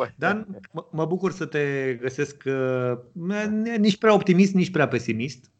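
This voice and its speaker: A man speaks at a fairly slow pace with hardly any pauses, his fairly high pitch carried by lively intonation in an ordinary speaking voice. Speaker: podcast host. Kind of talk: casual interview.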